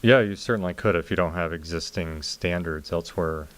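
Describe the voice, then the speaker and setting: A man's voice: sits low, a little fast. A man giving an informal, explanatory presentation as a planning consultant in a council meeting room.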